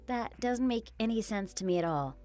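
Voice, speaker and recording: A patient young wife pleads earnestly with her cruel in-law, as a woman voices her. Her voice sits a little high and moves with lively ups and downs. Faint music runs under this animated story. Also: moderate pace, close to an everyday voice. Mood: pleading. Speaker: daughter-in-law.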